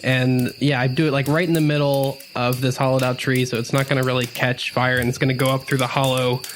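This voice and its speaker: A man's voice: mid-range voice, level tone, brisk, a little hiss or hum. A man playing a tabletop role-playing game, casually describing what his character does.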